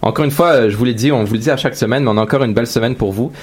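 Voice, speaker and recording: A young man hosting a radio news recap show and introducing his co-hosts briskly. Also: medium pitch, breathy edge.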